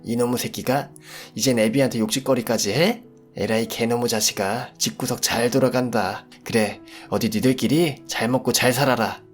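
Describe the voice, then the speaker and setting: A man voicing a furious, bullying older father-in-law who shouts and curses in a storytelling radio drama. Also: mid-range voice, steady tone, moderate pace, soft background music, lightly acted. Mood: raging. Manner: shouting, cursing.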